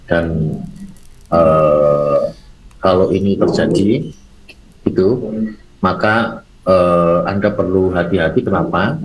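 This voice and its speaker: A man speaking as a webinar presenter in a halting way, with many fillers and restarts. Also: low-pitched, a little hiss or hum, low-quality recording. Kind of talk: online lecture.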